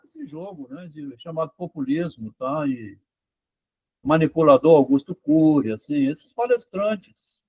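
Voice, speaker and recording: A man's voice: fairly high pitch, expressive, a little slow, husky, dry recording, narrow, tinny audio. A man talking casually, rambling and checking in with "tá?" and "né?" as he goes. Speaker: author discussing his doctoral thesis. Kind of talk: casual conversation about psychoanalysis and literature.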